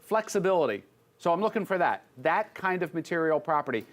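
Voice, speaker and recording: An American man teaching an engineering class informally, asking students quick questions and repeating their answers. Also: on the high side, very animated.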